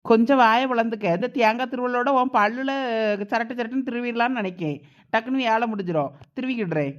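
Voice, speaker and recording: A woman's voice: fairly high pitch, quick pace, dull audio, natural voice. A woman voicing a cheeky village elder sister in a cartoon, teasing and wheedling, with a Thoothukudi Tamil accent. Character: cheeky older sister grating coconut.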